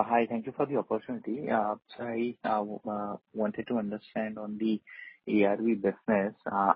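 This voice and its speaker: Flat-voiced analyst on a phone line. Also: male voice, on the low side, husky, dry recording. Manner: hesitant, many fillers. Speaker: investment analyst caller. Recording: dry phone-line call audio.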